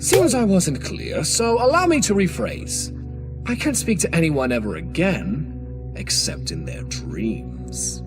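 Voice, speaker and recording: An actor voicing an otherworldly, smugly playful and menacing demon hedgehog in a comic dub, speaking with theatrical mock politeness and drawn-out words. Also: male voice, a little high, wildly swooping pitch, exaggerated voice. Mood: coaxing, impatient. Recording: loud music under the voice. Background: music.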